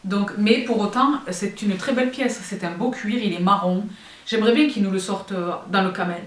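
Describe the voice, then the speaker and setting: A chatty young Frenchwoman talks her viewers through a clothing haul, her voice moving from excited peaks to low asides. Her voice sits in a middle range and sounds a little distant from the mic. The room around her adds a clear echo. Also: moderate pace. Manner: chatty and expressive, addresses viewers as girls. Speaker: fashion vlogger. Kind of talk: casual haul chat to viewers. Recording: roomy, a bit far from the mic.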